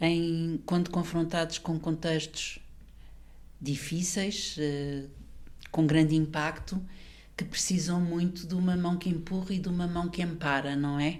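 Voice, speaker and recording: Woman speaking at a fairly slow pace in a monotone, flat intonation, with long, frequent pauses. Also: fairly low pitch for a woman. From Portugal, Lisbon area. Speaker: hospice volunteer and retired nursing teacher. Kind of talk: interview conversation.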